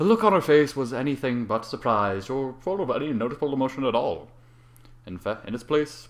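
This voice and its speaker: This is a normal speaking voice from a man at medium pitch. He talks at a fairly quick pace. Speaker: fanfic reader. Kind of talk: reading aloud.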